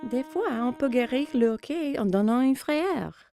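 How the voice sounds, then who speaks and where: A caring young cartoon mother who reassures and gently teases. Her pitch is high and moves in lively swings, with music behind her. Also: unhurried. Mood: reassuring. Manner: expressive, reassuring. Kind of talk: children's cartoon dubbing.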